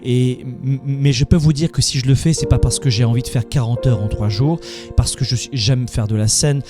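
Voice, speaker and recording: A man's voice: mid-range voice, fairly even intonation, normal speed. Guy hosting a motivational call-in show, punchy, keeps repeating words, a little music faint behind him. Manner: emphatic, repeats words when building a point. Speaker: host taking live calls.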